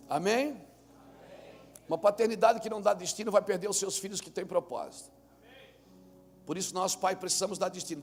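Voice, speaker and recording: A male pastor with a Brazilian Portuguese accent, preaching a lively live sermon at a church conference, telling stories and rising to shouts. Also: high voice. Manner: animated preaching that builds to shouts; tells stories through acted dialogue.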